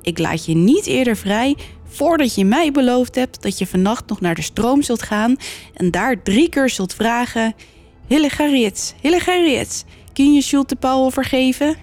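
A woman's voice: high-pitched, lively intonation, normal speed, darkish tone, soft background music, voice pushed up. A woman doing a commanding old church ghost. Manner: firm, instructing.

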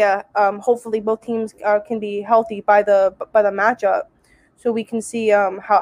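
A chatty woman with a fairly high voice talks sports, her speech full of fillers. The sound is dry and close, with no room echo. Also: a little mellow. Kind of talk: casual sports chat.

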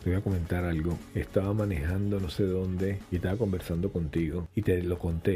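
A man telling a spiritual story in casual conversation, with an animated, emphatic way of repeating himself. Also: low voice.

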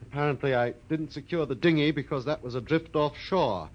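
A man's voice: fairly high pitch, fairly quick, muffled recording, lightly acted. Actor as wheezy, nervous businessman. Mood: anxious, explaining. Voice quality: wheezy, coughing smoker's voice. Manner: nervous, urgent, fussily polite. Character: anxious, fussy, wheezing male cosmetics businessman. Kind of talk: 1940s radio drama acting. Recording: noisy vintage 1940s radio broadcast.

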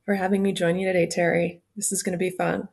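A woman co-producer interviews the podcast host casually. Her voice is gravelly with fry, and her pitch stays fairly flat. She sounds friendly and relaxed. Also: fast.

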